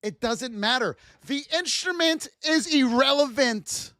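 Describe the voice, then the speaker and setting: A man coaching a livestream audience with blunt, gruff tough love, in punchy repeated phrases that push and encourage. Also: very high voice, animated, unhurried, bright, forceful tone, dry recording, clean studio sound. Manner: punchy repeated phrases, addresses listeners as folks. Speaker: trading coach and livestream host. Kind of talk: livestream coaching pep talk.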